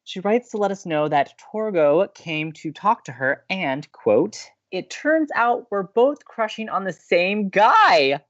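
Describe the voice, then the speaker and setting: A woman playing an earnest, excitable young college radio co-host and romantic, in a scripted audio drama. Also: mid-range voice, takes it slowly, hardly any pauses, muffled recording. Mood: wry, chatty.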